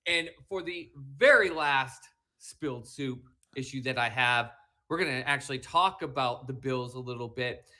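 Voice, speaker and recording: Pushed and bright at a medium pitch, this man's whiny, slightly mushy voice moves at a normal speed as he co-hosts a sports podcast. He rants with animation, hammering home his points emphatically and saying them again.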